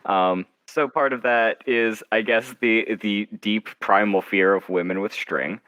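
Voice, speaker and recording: A man's voice: fairly low pitch, unhurried, bright, forceful tone, smooth, no room sound. A man speaking casually as a guest author in an interview, with a wry, self-deprecating way of joking. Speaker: guest author discussing own story.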